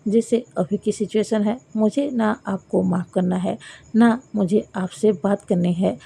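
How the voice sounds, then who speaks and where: A woman's voice: mid-range voice, steady tone, a little slow, vocal fry, dark tone, slightly rough, heavily acted. A woman reading a story aloud, voicing a hurt young woman who speaks curtly and reproachfully to her lover. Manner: curt and reproachful.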